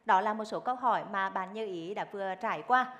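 A woman's voice: medium pitch, a little fast, fairly bright tone, dull audio. A young woman hosting a game show, reading quiz questions in a formal, articulate way into a headset microphone. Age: young adult. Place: TV studio stage.

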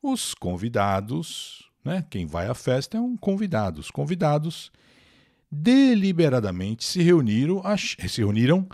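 A man's voice: a little high, very animated, a little slow, darkish tone, no echo, clean studio sound. A Brazilian man teaching English in a live stream, explaining words and pronunciation and reading out viewer comments.

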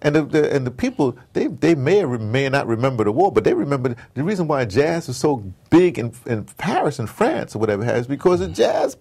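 A man's voice: medium pitch, very animated, brisk, hardly any pauses, darkish tone. A middle-aged or older man in casual conversation as an interview guest, emphatic and rambling with slangy turns of phrase. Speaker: interview guest, audio drama producer.

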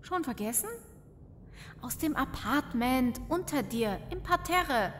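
A woman plays a forward, prying neighbour in an audio drama. Her voice is high and lively, and she takes her time over the words. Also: slow pace, a little hiss or hum, full character voice. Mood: chummy, teasing. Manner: familiar, prying. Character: nosy, forward female neighbour. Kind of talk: German amateur audio drama acting.

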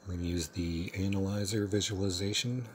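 A man narrating a step-by-step software tutorial in a plain, instructional manner. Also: low-pitched, fairly even intonation, a little fast, slight background noise. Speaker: tutorial presenter.

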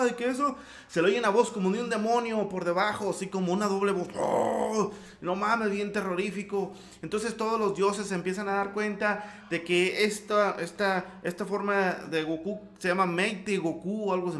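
A man with a Mexican accent giving an excited, slangy anime recap full of sound effects. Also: high-pitched. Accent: Mexican Spanish. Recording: roomy echo.

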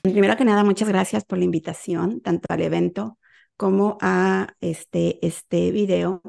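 A woman in her thirties from Mexico City with a Mexico City Spanish accent, giving steady, explanatory interview answers over a video call. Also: medium pitch, a little slow, gravelly, soft background music. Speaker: guest, real estate investor. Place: home office on a video call.

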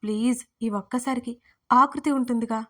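A woman's voice: fairly high pitch, fairly even intonation, moderate pace, bright, forceful tone. A woman voicing a pampered young woman who pleads and sulks in an audio story. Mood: pleading. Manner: pleading, whiny.

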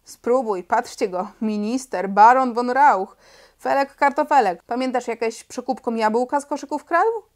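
A woman reading aloud and voicing a cocky young pickpocket who jeers loudly in a storybook. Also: on the high side, a little slow, lightly acted. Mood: jeering. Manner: jeering, loud. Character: cocky taunting street boy, pickpocket.

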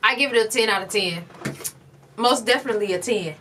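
A woman's voice: medium pitch, fairly quick, bright, forceful tone, recorded from a distance. A woman co-hosting a food review, talking with her mouth full of ice cream in a playful, teasing way. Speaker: co-host of a food review channel. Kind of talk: casual food tasting chat. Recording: a bit off-mic with faint background noise.

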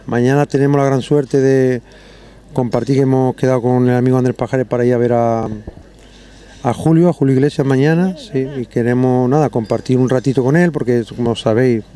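Man in his forties, restaurant owner, quick, mellow voice, handheld mic outdoors at night. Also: mid-range voice. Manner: eager, grateful, rambling. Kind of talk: casual interview. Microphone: handheld interviewer's mic.

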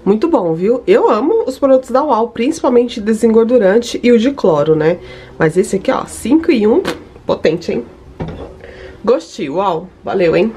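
A woman's voice: a little high, sing-song, normal speed, warm tone, a little hiss or hum. A woman with a Brazilian Portuguese accent, in her thirties, chatting casually to her viewers in a home vlog from her kitchen. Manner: chatty, addresses viewers directly. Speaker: vlogger.

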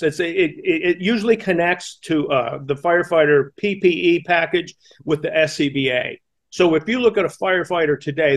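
An American man in his sixties explaining things emphatically in an interview, halting and repeating the starts of words. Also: on the high side, vocal fry. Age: 60s. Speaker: fire command instructor and podcast guest. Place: indoor room, on a video call. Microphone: headset boom mic.

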